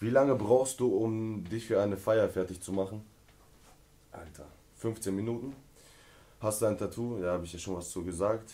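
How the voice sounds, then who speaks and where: At a moderate pace, the voice has a dark, mellow tone and fairly even intonation, broken by long, frequent pauses. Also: man. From Russia. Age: 20s. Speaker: rapper. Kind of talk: fan Q&A video. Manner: casual, laughing often. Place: office.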